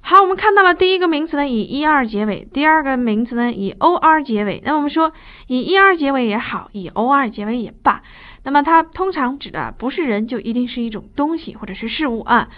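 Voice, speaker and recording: A woman English teacher giving a recorded classroom lecture, switching between quick chatty explanations and slow drilled phrases. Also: high voice, expressive. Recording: dull lo-fi video lecture audio.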